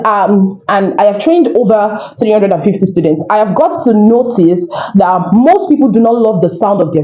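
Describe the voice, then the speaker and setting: Nigerian woman coaching, earnest and encouraging, mellow voice, roomy lo-fi recording. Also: medium pitch. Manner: earnest, encouraging, repeats points with restarts. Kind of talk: casual teaching to camera. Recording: roomy, dull lo-fi sound.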